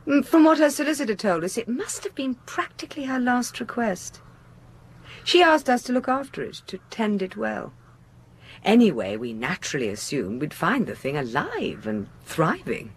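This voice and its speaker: Posh-ish english wife, husky and breathy, lively intonation, old radio play. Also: female voice, mid-range voice, moderate pace. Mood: intrigued. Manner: genteel, expressive. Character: genteel, curious English wife, a writer. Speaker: actor in a radio drama. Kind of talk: 1980s British radio drama acting.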